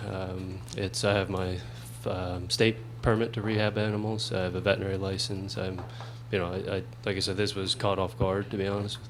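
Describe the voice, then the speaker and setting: A man mumbling at a fairly quick pace, fairly low in pitch with ordinary pitch variation, amid audible room echo. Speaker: veterinarian, applicant at public hearing. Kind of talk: testimony at county board hearing. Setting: public meeting at podium. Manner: mumbling, halting.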